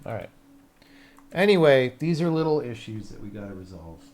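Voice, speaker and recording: Man, mid-pitched voice, vocal fry, casual livestream chat, thinking aloud, game developer at work. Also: big pitch swings, normal speed, a little mellow. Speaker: game developer live-streaming.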